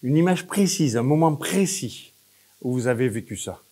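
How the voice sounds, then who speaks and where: A man leading a hypnosis session, giving short, repetitive, coaxing instructions with pauses between phrases. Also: medium pitch, expressive, mellow. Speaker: hypnosis practitioner leading a demonstration.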